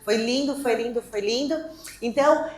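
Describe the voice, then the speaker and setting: A woman hosting a live event, talking to the audience in an energetic, quick and restless way. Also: fairly high pitch. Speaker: event host. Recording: echoey room, faint noise.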